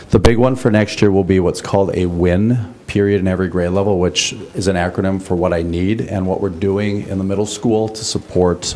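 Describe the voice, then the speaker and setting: A man's voice: low-pitched, darkish tone, a little hiss or hum. A man in his fifties giving an informal report as a school principal at a podium microphone in a meeting room. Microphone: gooseneck podium microphone.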